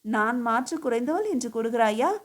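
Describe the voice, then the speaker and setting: A woman voicing a proud young court dancer who flares up quickly in indignation, read from a storybook. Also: a little high, lightly acted. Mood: indignant.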